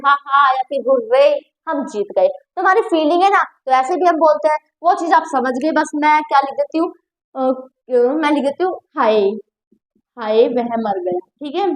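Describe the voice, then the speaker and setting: A woman teaching a grammar lesson to students in a chatty classroom style, checking in often and stretching out her examples. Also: sits high. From India. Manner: chatty, repeats "ठीक है", drawn-out examples.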